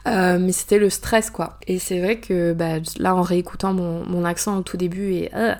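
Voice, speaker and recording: A young woman from France, an author, chatting through a personal story in a casual monologue, full of hesitations, fillers and quick asides. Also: fairly low pitch, fairly even intonation, a little mellow.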